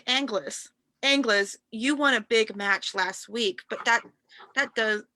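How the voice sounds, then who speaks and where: A woman playing an arrogant, scornful wrestling prince in a staged promo reading, taunting haughtily and haltingly. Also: medium pitch, pushed and bright, dry recording.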